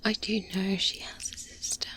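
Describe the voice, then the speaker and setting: A woman playing a confident, wary vampire hunter mentor in a soft-spoken, breathy ASMR roleplay, close to the microphone with hesitant pauses. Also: natural voice. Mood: cautious, serious. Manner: slow, hesitant pauses, intimate. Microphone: close-up binaural microphone.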